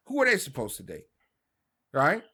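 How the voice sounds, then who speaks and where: A man's voice: a little high, wildly swooping pitch, moderate pace, pushed and bright, breathy edge. A man, a father, arguing his point in a casual podcast discussion through a string of emphatic rhetorical questions. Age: adult father.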